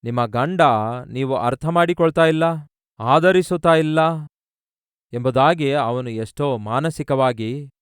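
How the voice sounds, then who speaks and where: Pastor guy preaching hard, lots of pleading questions, smooth voice, dry close sound. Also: medium pitch, a little slow, pauses often, dry recording. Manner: earnest, pleading, full of rhetorical questions. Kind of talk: sermon.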